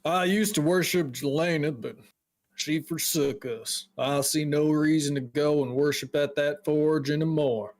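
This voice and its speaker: A man's voice: a little high, measured pace. A man voicing a bitter working-class male woodcutter who grumbles coarsely about the city's rulers.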